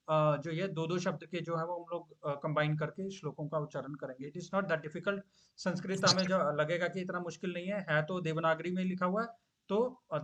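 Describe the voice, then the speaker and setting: A man teaching scripture in a class, explaining patiently, with frequent drawn-out hesitation sounds and English phrases mixed in. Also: high voice, fairly bright tone. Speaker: Gita teacher. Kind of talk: online class lesson.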